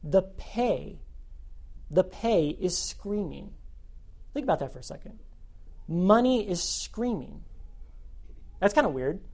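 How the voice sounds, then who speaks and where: Animated male youth pastor preaching. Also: high-pitched, takes it slowly, pauses often, husky. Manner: animated, repeats phrases for emphasis. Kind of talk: sermon.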